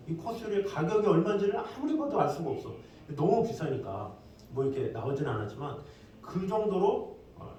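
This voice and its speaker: A middle-aged man preaching a sermon as pastor in a conversational way, with lively asides to the congregation. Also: fairly high pitch. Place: church sanctuary. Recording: echoey hall, distant mic, faint noise.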